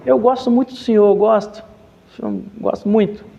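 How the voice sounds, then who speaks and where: A man doing an excitable, overeager Peter. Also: sits high, a little fast, vocal fry, dull audio, voice pushed up. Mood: eager. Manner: blurting, pleading, exaggerated. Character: impulsive, overeager male apostle Peter.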